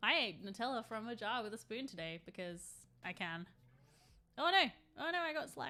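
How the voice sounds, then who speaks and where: With a slight Canadian accent, a woman speaks at a moderate pace in a relaxed tone. Her fairly high voice is bright and sharp, with very wide pitch swings. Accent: slight Canadian twang. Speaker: streamer, game master. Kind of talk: casual live stream chat. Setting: live stream at home. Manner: chatty, relaxed.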